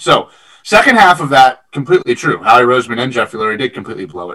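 A man with a medium pitch talks in a plain, everyday voice. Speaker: sports talk co-host. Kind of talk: casual sports talk banter.

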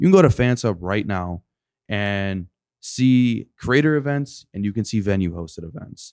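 A man with an American accent and a plain, everyday voice, fairly low in pitch, with lively intonation at a moderate pace. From Chicago. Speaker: tech startup co-founder. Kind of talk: live podcast interview.

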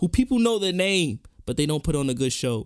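A man speaks with an American accent on a very clean recording with a silent background. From Newark, New Jersey. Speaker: rapper and singer. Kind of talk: casual chat.

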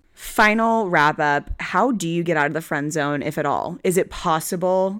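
A normal speaking voice from a woman, fairly low in pitch, at a moderate pace, on a very clean recording with a silent background. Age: 20s. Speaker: podcast co-host. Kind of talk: casual chat. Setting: at home in apartment.

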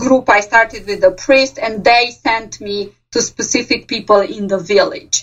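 Over music in the background, a woman with a Romanian accent speaks at a fairly slow pace with fairly high pitch and ordinary pitch variation. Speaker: professor. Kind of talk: casual interview about research. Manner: halting, many fillers.

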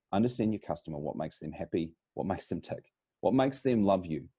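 A man's dark, mellow voice with lively intonation and vocal fry. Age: 40s. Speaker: entrepreneur. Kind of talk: interview.

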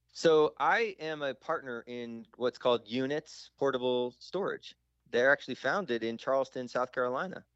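A man with an American accent has a plain, everyday voice at medium pitch, speaking at a moderate pace with ordinary pitch variation. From New Jersey. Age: 40s. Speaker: amateur guitarist and businessman. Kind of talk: casual chat.

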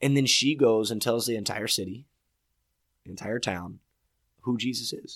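A man has an ordinary speaking voice at a medium pitch. He talks at a moderate pace with ordinary pitch variation. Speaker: podcast co-host. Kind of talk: casual Bible discussion podcast.

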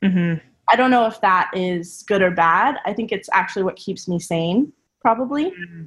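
At a moderate pace, a woman speaks at medium pitch in a somewhat breathy voice with ordinary pitch variation. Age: 30s. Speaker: dog training facility owner. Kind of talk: casual interview chat.

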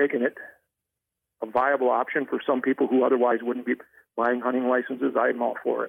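Speaking at a fairly quick pace, a man uses a medium pitch with an American accent. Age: 60s. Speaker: hunting TV host and writer. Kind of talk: casual interview chat.

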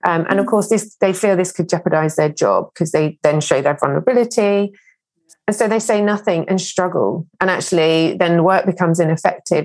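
A normal speaking voice at a fairly quick pace, with very even loudness and ordinary pitch variation. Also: woman, medium pitch for a woman. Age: 40s. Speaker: motivational speaker. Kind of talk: interview.

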